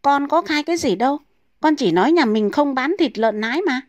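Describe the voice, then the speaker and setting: A woman's voice: sits high, lively intonation, brisk, no room sound, pitched above the performer's own voice. A woman voicing a cheeky young boy at a market stall who blurts and argues innocently. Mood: blurting, cheeky.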